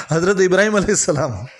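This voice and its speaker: A man's voice: sits high, animated, normal speed, a little hiss or hum. A man arguing persistently on a recorded phone call, addressing the other man with honorifics and talking over him. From Gujarat, India. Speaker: caller questioning a cleric on a recorded phone call. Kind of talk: argumentative phone conversation.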